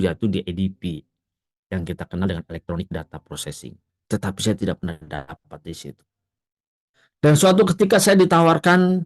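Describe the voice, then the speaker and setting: A male pastor preaching a sermon, moving from quiet, low storytelling to loud, emphatic peaks. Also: no room sound, clean studio sound.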